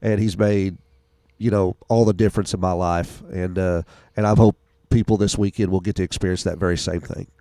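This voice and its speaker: Male interview guest, low warm voice, sincere testimony, dry mic. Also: steady tone, brisk, no room sound. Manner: earnest, heartfelt testimony. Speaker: rodeo guest. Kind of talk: radio interview.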